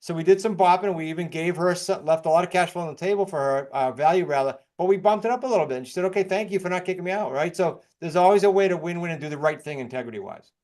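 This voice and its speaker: Higher-voiced American man, fast-talking coach. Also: a little mellow. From New England, United States. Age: middle-aged or older. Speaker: guest, real estate investing coach. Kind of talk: informal sales presentation with case studies.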